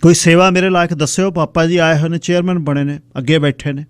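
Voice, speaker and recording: A bold, playful woman with a high, lifted voice, as a male storyteller puts her on. She teases and mocks in a forceful, lively way. The voice is dry and close. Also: quick pace, clean tone, no room sound, close to an everyday voice. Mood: friendly. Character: lively teasing woman, old schoolmate. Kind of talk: storytelling with acted dialogue.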